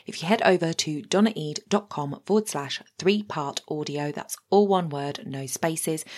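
A woman with an English accent hosting a scripted advice podcast in a tidy, measured way, setting out points clearly. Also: deep voice. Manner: tidy, measured, numbered-tip delivery. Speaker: podcast host.

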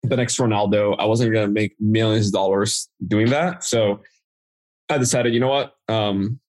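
On a podcast as a guest, this marketing entrepreneur speaks with a Dominican accent, Spanish being his native language, and tells his story in a casual way. His voice runs on the low side, with fairly even intonation, a moderate pace, and a darkish tone.

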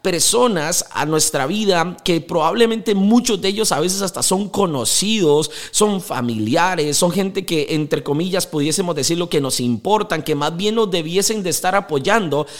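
Energetic Costa Rican podcast host. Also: male voice, sits high, moderate pace, hardly any pauses. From Costa Rica. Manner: energetic, emphatic, motivational preaching. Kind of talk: motivational podcast monologue.

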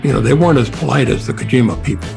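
A man's voice: medium pitch, very fast, vocal fry. A man, a former firm chief, recounting past business events in a plain, matter-of-fact way. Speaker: former architecture firm CEO, podcast co-host. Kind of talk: recalling past events in a clip. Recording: clip with music underneath.

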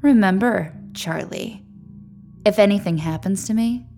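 A man reading a story aloud, voicing a frightened young woman in a high, strained voice over soft music. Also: measured pace, vocal fry. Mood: wary. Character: frightened young woman, defiant then terrified.

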